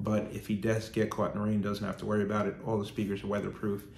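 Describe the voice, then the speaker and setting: A man with a fairly low pitch speaks very fast in a monotone, flat intonation, with audible room echo and light background noise. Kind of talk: casual explanation to camera. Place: office. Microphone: phone near.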